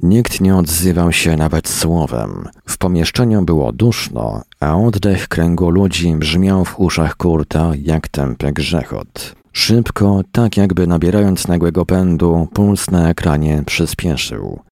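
A man reading a story aloud as narrator, in a steady, even way. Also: low voice, unhurried, vocal fry, few pauses, no echo, clean studio sound. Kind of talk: audiobook reading.

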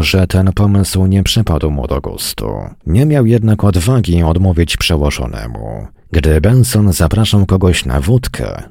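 Deep gravelly male audiobook narrator. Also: a little mellow, no room sound, clean studio sound. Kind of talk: scripted narration.

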